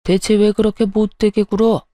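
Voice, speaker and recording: A woman's voice: mid-range voice, level tone, moderate pace, dark tone, no room sound, studio quality, lightly acted. A woman voicing a stern, hot-tempered older father-in-law who barks orders and scolds. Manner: barking, scolding like a superior.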